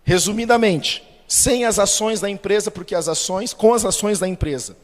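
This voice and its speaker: A man with a Brazilian Portuguese accent gives a spoken testimony as a preacher, telling his story with lively acted-out dialogue. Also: normal speed. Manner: storytelling, acts out quoted dialogue with shifts of pitch and loudness. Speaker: Catholic lay preacher. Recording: long hall reverb.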